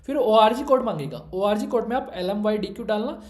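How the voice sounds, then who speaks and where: A man's voice: high voice, animated, fairly quick, roomy sound. A man tutoring students for medical exams in a screen-share revision lecture, emphatic and repeating his key instructions while checking in often.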